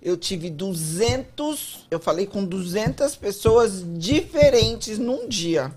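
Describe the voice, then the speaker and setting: A woman's voice: medium pitch, lively intonation, slow, darkish tone, husky. An older Brazilian woman, the family matriarch, chatting emphatically as a podcast guest. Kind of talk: casual chat.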